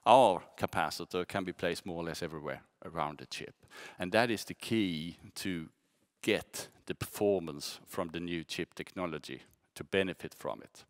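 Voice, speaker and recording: A Swedish man with a Skåne accent gives a measured conference presentation about his company, often restarting and repeating words. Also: low-pitched, no room sound, studio quality. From Sweden.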